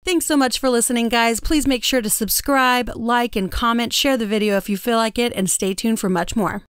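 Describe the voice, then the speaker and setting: A woman's voice: fairly high pitch, steady tone, moderate pace, a bit bright, smooth, no room sound, studio quality. A woman voice actor speaking in an upbeat intro and sign-off style. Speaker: voice actor introducing her reel.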